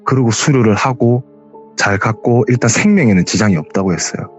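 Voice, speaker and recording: A man's voice: medium pitch, expressive, a little fast, soft background music. A young man with a heavy regional dialect tells a true ghost story as a guest, acting out the quoted voices.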